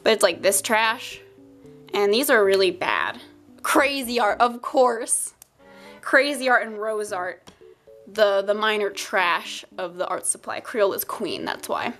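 A woman's voice: medium pitch, a little slow, a bit bright, soft background music. A young woman with a stuffy nose chatting casually through a sketchbook tour, rambling and joking at her own expense. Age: young adult. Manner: chatty, self-mocking, rambling asides. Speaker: art YouTuber.

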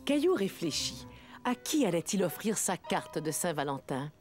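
A woman narrating a scripted children's story with clear storytelling phrasing. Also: fairly low pitch, sing-song, moderate pace, a little mellow. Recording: music behind.

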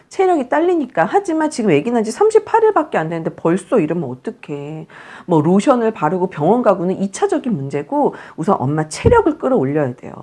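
A woman's voice: medium pitch, darkish tone. A middle-aged woman counseling new mothers in a chatty, teasing, scolding way. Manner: chatty, scolding-teasing, acts out moms' thoughts. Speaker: breastfeeding counselor. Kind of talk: advice talk to mothers.

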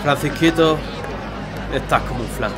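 A man's voice: mid-range voice, unhurried, lightly acted. A man playing a jokey, teasing friend in an audio drama, colloquial. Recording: noisy street, crowd behind.

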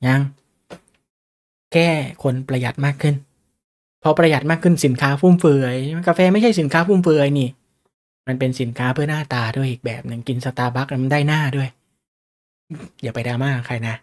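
A man's voice: mid-range voice, normal speed, pauses often. A man hosting a casual livestream on stock analysis, talking chattily and often asking his viewers rhetorical questions. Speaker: stock market livestream host.

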